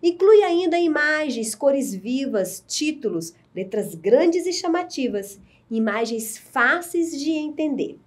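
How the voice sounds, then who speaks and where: A woman teacher giving a recorded lesson to adult learners, explaining slowly and clearly. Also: high-pitched, big pitch swings. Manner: slow, clear, deliberate explaining.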